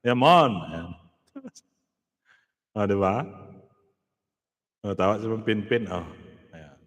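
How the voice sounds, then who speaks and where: A man hosting a casual live stream, reading out viewer comments and giving shout-outs, laughing often. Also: on the low side, slow, big-room sound. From Philippines.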